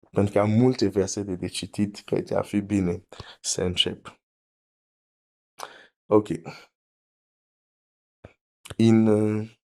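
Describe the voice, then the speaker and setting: A man's voice: fairly low pitch, a little mellow. A man preaching a teaching sermon, explaining carefully, repeating his points and reading scripture aloud.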